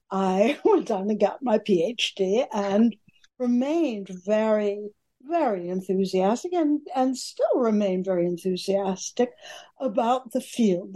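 Older lady professor chatting as a guest, mellow, mid pitch, keeps rephrasing. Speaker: history professor, interview guest. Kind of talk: conversational interview.

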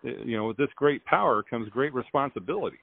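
A man's voice: mid-range voice, lively intonation, brisk, gravelly, breathy edge, dry recording. A man hosting a casual local radio interview and podcast. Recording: tinny phone-like sound.

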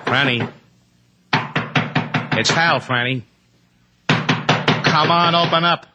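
A man's voice: a little high, drawn-out words, loud music behind the voice. A man playing a brash, needling comedian and schemer in a 1950s radio drama, wisecracking and pushy, repeating himself. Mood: sly, menacing.

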